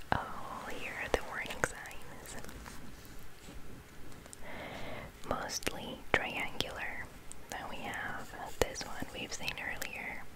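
Whispering and soft-spoken, the speaker goes at a very slow pace with long, frequent pauses over loud background noise. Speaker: reader. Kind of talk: soft reading aloud, ASMR-like. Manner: soft ASMR whisper, reading.

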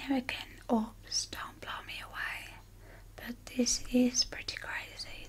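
A woman whispering in a relaxed tone at a very slow pace. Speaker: ASMR creator. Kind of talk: soft-spoken spooky story narration. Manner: soft-spoken, relaxed. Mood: spooky, intimate. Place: home room. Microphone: studio mic.

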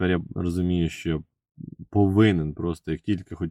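Fairly even intonation in a dry, close sound with no echo and a quiet background. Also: man. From Ukraine, surzhyk-speaking area. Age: 20s. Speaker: YouTuber. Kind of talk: vlog monologue.

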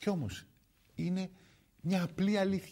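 This man has a high-pitched voice. He keeps a moderate pace. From Greece, Athens (Vyronas); Greece. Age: 50s. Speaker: journalist, TV commentator. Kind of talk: solo political commentary monologue. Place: studio.

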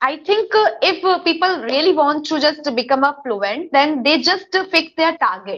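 A woman's high-pitched voice with lively intonation, very even loudness and hardly any pauses, over a quiet background. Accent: Indian. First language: Hindi. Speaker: English trainer. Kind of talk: casual chat. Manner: halting. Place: home room. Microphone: earbuds.

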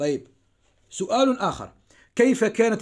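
A man at a fairly slow pace with ordinary pitch variation against a quiet background. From Algeria. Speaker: teacher. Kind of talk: tutorial. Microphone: phone near.

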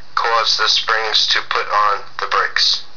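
Very slow speech from a man. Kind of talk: reading aloud from a manual.

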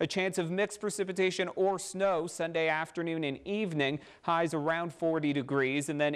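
A man speaks with a high pitch. The background is quiet. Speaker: TV weather forecaster. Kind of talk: local TV weather forecast, reading temperatures and outlook. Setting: TV studio. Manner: steady, clear presenter delivery, listing temperatures city by city; explanatory, walking viewers through the weather pattern. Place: studio. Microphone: lapel.

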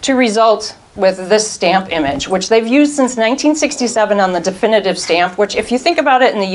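At a moderate pace, a woman's voice moves through very wide pitch swings. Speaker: presenter. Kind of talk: travel talk presentation. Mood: enthusiastic, lightly humorous. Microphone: handheld.

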